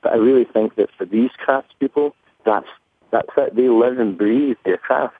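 A man's voice: medium pitch, moderate pace, slightly rough, no room sound. A man with a broad Scottish accent, talking earnestly as a guest in a conversational radio interview. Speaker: interview guest, brand representative. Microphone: telephone. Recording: narrow, tinny phone line.

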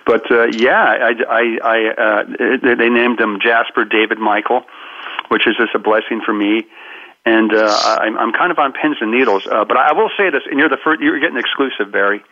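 A man's voice: mid-range voice, steady tone, normal speed. A man in his fifties, a guest on a radio interview, telling stories animatedly and acting out the voices he quotes. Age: 50s. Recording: phone-like radio line.

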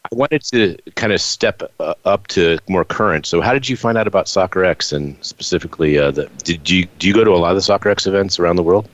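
Very deep-voiced chatty male interviewer. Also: fast talker, hardly any pauses, no room sound, highs cut off. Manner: chatty, rambling questions. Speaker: interviewer host. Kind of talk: interview questions.

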